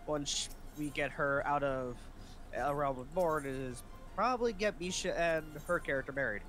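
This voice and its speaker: Dude chatting along on a game stream, voice a bit high, quiet music behind. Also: male voice, normal speed. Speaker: fellow player chatting on the stream. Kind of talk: casual chat.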